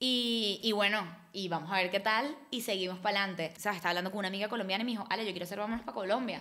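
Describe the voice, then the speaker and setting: A woman speaks very fast at a medium pitch, her intonation fairly even against a quiet background. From Venezuela, Caracas. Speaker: graphic designer and chef; podcast guest. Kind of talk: casual chat. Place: studio. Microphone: studio mic.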